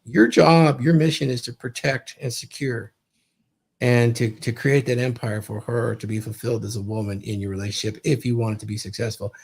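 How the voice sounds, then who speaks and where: A man's voice: mid-range voice, fairly even intonation, fairly quick, creaky, husky. A man co-hosting a casual podcast panel, talking in an emphatic, preachy way. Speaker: podcast co-host.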